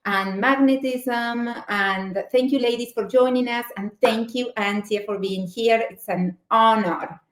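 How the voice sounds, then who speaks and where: A woman's voice: fairly high pitch, measured pace, few pauses. Gushing woman host, echoey room. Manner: enthusiastic, gushing. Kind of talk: interview hosting.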